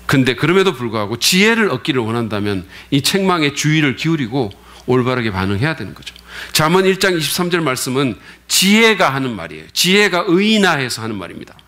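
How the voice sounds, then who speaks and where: A man's voice: medium pitch, very animated, fast, few pauses, fairly bright tone. A male pastor preaching a Sunday sermon in a conversational way, often putting questions to the congregation.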